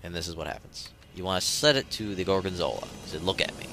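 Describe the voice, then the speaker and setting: A man's voice: low voice, fast talker, background noise. A man giving a casual, irreverent, joking walkthrough commentary as host of a game video. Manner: irreverent, jokey interjections. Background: game music.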